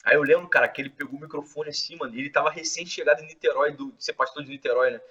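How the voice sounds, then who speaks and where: A man casually telling his testimony in an excitable, slangy way, full of filler words. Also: a little high, racing, slight background noise. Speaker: host sharing his testimony. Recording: distant, dull lo-fi mic.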